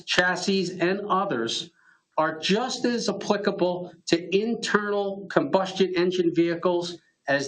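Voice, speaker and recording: A man giving a scripted earnings call presentation as a company executive, in a formal, measured business manner. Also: high voice, fairly bright tone, rough recording.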